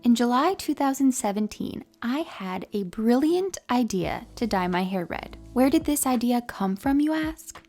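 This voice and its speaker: Woman, 20s, New York accent, calm and mellow, slightly high voice, lots of vocal fry, vlog storytelling. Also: unhurried, hardly any pauses, faint music behind. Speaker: beauty vlogger. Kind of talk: storytelling monologue to camera.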